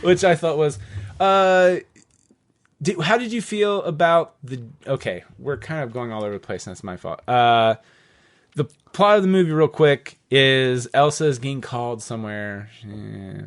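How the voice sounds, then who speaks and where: A man in the middle of his range talks loosely and at length, circling back on himself with lots of "like" and a casual curse here and there. The sound is close and dry, with no room around it. He is a podcast host thinking out loud. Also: mid-range voice, lively intonation, normal speed, dry recording. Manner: rambling, peppered with "like" and swearing.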